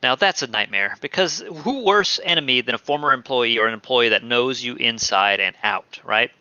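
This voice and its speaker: A man hosting a casual crypto streaming show, chatty and animated, often laughing. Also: medium pitch, moderate pace, clear, resonant tone, dry recording, lo-fi sound. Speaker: podcast host.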